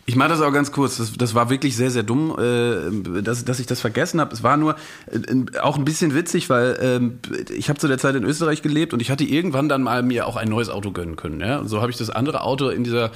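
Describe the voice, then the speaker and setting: Fast-talking man telling a rambling anecdote. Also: medium pitch. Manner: rambling anecdote, frequent "ne?" tags. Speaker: podcast co-host. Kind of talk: casual chat, storytelling.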